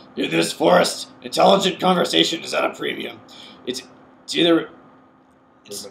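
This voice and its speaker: In a raspy, put-on character voice, a man talks at a moderate pace with long, frequent pauses and big swings in loudness. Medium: read story. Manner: dry, formal, wordy.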